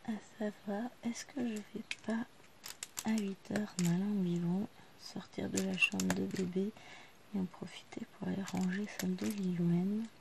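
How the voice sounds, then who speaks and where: A woman's voice: mid-range voice, steady tone, a little slow, vocal fry, noisy background. A woman in her thirties, a vlogger chatting casually to the camera while she works on a craft at home. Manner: chatty, talking quietly to the camera while working. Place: living room at home.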